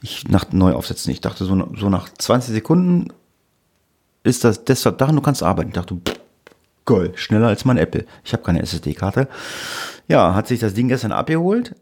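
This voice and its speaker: A man's voice: on the low side, sing-song, normal speed, a little mellow, slightly rough. A man co-hosting a casual podcast chat, telling grumbling tech stories in a rambling way full of fillers. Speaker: podcast co-host.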